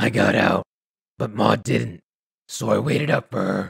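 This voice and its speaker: A man puts on a character voice. His delivery is raspy. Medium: solo performance. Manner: bitter, sardonic, weary.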